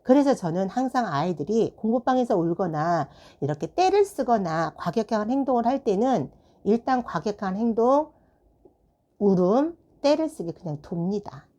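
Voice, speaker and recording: Speaking at medium pitch and a moderate pace, a woman who runs a tutoring room shares a classroom story as casual advice. She's animated, acting out the dialogue from the classroom.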